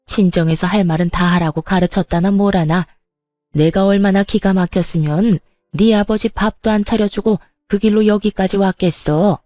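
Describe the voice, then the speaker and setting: A woman's voice: mid-range voice, steady tone, normal speed, warm tone, no room sound, soft background music, close to an everyday voice. A woman voicing an angry middle-aged mother-in-law who scolds and sneers harshly, in a storytelling reading. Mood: scolding.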